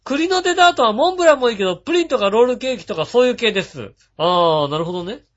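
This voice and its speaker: A man hosting a radio show, reading listener messages and chatting about them in a relaxed, rambling way with frequent chuckles. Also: very high voice, racing. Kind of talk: casual chat. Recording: dull lo-fi sound.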